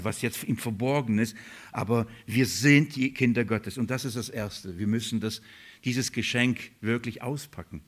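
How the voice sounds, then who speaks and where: A man preaching a sermon, emphatic and direct, asking rhetorical questions and calling his listeners beloved. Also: mid-range voice. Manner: emphatic, rhetorical questions, swings between loud stresses and quiet drops. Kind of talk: sermon on a Bible letter.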